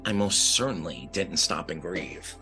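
A man's voice: sits low, animated, measured pace, pushed and bright, faint music behind. A man from New York, a guest on an interview podcast, talking in an earnest, reflective way with restarts. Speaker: guest, blind advocate.

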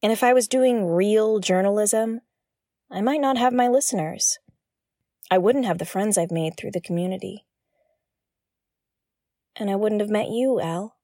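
An actress playing a feisty, irreverent woman who broadcasts from her own ship, expressive and candid in an audio drama. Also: medium pitch, unhurried, long pauses, no echo, studio quality. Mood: wistful, sincere. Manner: expressive, candid, prone to gleeful giggling. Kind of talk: audio drama acting, conversational.

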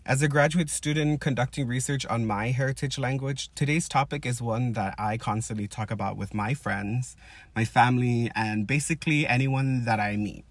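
A man's voice: mid-range voice, dry recording. A man, a graduate student guest, reading a prepared segment in an earnest, formal way. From Pacific Islands. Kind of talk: scripted podcast segment.

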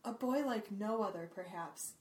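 A woman's voice: mid-range voice, normal speed, natural voice. A woman voicing a gossipy, sensational female tabloid reporter, reading a magazine article aloud with mock-serious melodrama. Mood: mock-dramatic.

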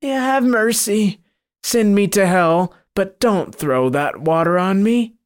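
A sly devil in the form of a huge cat, as a storyteller puts it on, answering in a higher, pinched tone. It whines and holds back, cowering under threat. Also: lively intonation, takes it slowly. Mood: pleading.

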